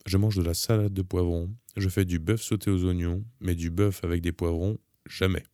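A man's voice: deep voice, level tone, moderate pace, dark tone, dry recording, studio quality, lightly acted. A man reading the lines of a weary, irritable young wife, curt and reproachful.

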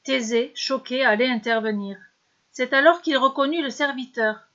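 A woman narrating a serialized story in a steady, measured way. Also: high voice, dull audio.

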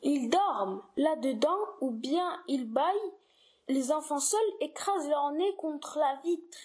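Brief: high-voiced woman reading a businesslike railway switchman, slow and plain. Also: darkish tone. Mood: matter-of-fact. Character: matter-of-fact railway switchman.

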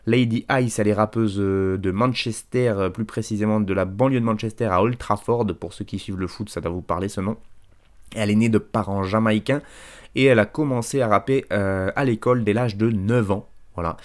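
A man hosts a music radio show in a casual, rambling commentary style. His voice sits on the low side, and he talks with slangy enthusiasm. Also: a little fast. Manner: loose and rambling.

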